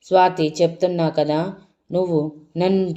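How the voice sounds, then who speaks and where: A woman storyteller voicing a bold young wife who teases her rival with drawn-out mocking words. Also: lowish voice, little pitch movement, warm tone, highs cut off, lightly acted. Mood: teasing. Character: bold teasing young wife, sly and confident.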